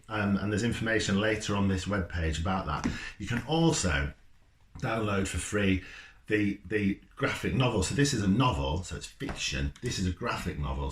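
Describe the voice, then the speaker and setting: A man who writes children's books, talking informally and reading a story aloud. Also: lowish voice. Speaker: children's football author. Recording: roomy, echoey indoor sound.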